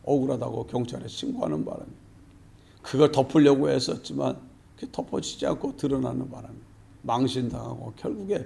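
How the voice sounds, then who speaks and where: A man's voice: medium pitch, a little fast, vocal fry, mellow. A male pastor preaching a sermon, emphatic and repeating key phrases, often acting out quoted dialogue.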